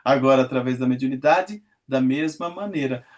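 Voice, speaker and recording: A man's voice: mid-range voice, normal speed, a little mellow. A man giving a talk on poetry, reading poems aloud, counting syllables and asking his audience questions. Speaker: lecturer. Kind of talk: lecture on poetry.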